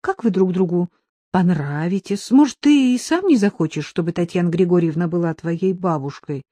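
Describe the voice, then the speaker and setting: A woman voicing a gentle, somewhat anxious young mother in an audiobook. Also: lowish voice, animated, normal speed, no echo, clean studio sound. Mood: motherly.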